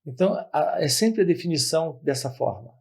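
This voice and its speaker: Gravelly-voiced spiritual teacher. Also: male voice, a little high, animated. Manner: measured, repetitive phrasing with pauses. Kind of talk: spiritual talk to camera.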